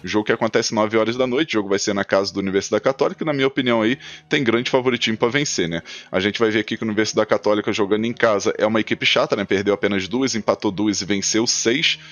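A young Brazilian man with a Brazilian Portuguese accent, casually running through football match previews and betting picks, often tagging sentences with a quick question. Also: fairly low pitch, highs cut off. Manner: frequent tag questions, steady rundown of stats and picks. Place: small indoor room.

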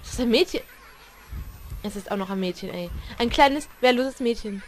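A woman's voice: on the high side, normal speed. A woman giving unscripted commentary on a horror game she plays blind, jumpy, exclaiming, cussing and talking back to the characters. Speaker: let's player.

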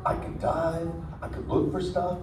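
A man's voice: a little high, little pitch movement, normal speed, darkish tone, lightly acted. A man voicing a laid-back male surfer sea turtle who drawls "dude" and "man" through a live show. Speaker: live show performer talking with an audience. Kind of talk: live interactive theme show. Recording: roomy, distant mic, ambient noise.

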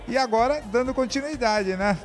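Handheld mic in hand, a Brazilian Portuguese-accented host moves through a packed evening party, interviewing guests with eager, flattering energy. He speaks at a moderate pace in an extremely high voice, with faint music behind him.

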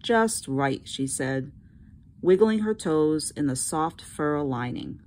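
Low-voiced woman reading a storybook aloud. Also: slow, slight background noise. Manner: expressive reading.

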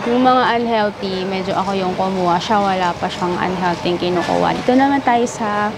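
Young female vlogger, casual and chatty, mid pitch, filmed at arm's length in a busy store. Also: fairly quick. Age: young adult. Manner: chatty, reads out prices and product names. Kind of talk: casual vlog narration while shopping. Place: large air-conditioned supermarket. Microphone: handheld camera at arm's length. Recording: noisy store ambience.

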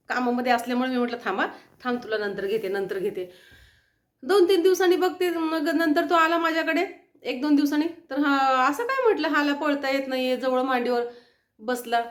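Middle-aged woman vlogging w marathi accent, slightly high voice, sing-songy calls to her pets then low chatty storytelling. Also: reverberant. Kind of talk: casual chat.

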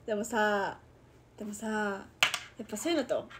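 A woman's voice: mid-range voice, normal speed, very noisy. A young woman hosting a casual livestream, chatting with viewers and reading their comments, giggling often. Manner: giggly, bubbly, laughs often. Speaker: idol livestream host.

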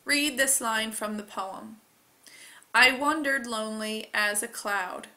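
A woman reads test material aloud with careful, deliberate delivery. Her voice is fairly high and bright, and she takes her time over each phrase. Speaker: test reader. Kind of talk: slow read-aloud of test questions.

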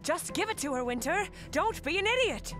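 Woman as a high-voiced, bossy griffin leader. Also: expressive, a little fast. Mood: scolding. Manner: scolding, curt, no-nonsense. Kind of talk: amateur animated comic dub acting. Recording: music behind the voice. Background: music.

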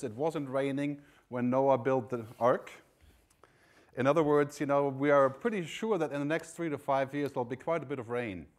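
On the stage of a large hall, a German man delivers a conference keynote in an ordinary mid-range pitch that sounds a little mellow. His delivery is conversational, sprinkled with "you know" and "right?"

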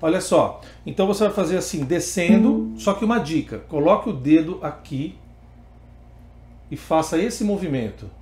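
Brazilian singing teacher, echoey room. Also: male voice, a little high, lively intonation, moderate pace, a little mellow. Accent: Brazilian Portuguese. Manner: explains step by step, then sings vowel examples. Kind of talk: online singing lesson with sung demonstrations.

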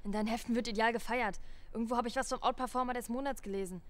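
A woman's voice: on the high side, fairly even intonation, very fast, close to an everyday voice. A young actress playing a defiant young woman in a film drama, speaking with urgent, pleading reproach. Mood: reproachful. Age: young adult.

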